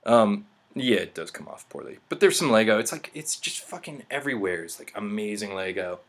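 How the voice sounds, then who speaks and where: A young adult man hosting a casual talk show and telling a rambling, profane, excitable story. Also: on the low side, brisk. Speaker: podcast host.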